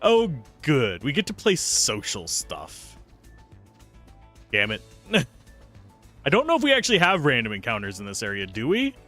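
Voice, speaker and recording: A young man streams a game and chats through it, joking and reacting aloud. His slightly raspy voice is bright and very lively in pitch. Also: normal speed, pauses often, soft background music. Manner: chatty, jokey, reacts aloud. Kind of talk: casual gameplay commentary.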